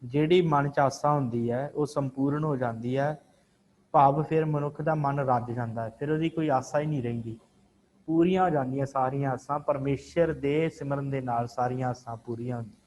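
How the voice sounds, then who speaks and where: A man leads an online scripture class at a middle pitch, chanting each verse slowly before breaking it down in plain explanation. He drills pronunciation by repeating words several times. A faint hiss sits under the recording. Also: a little mellow, poor audio. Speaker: Sikh scripture teacher.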